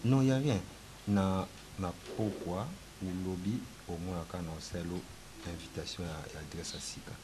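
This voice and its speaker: Actor for a controlling Congolese husband, Congolese French accent, low and mumbled, noisy take. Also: male voice, steady tone, moderate pace, close to an everyday voice. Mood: insistent. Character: young man, controlling partner. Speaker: husband in a drama series. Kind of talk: Congolese TV drama acting. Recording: noisy home-video sound.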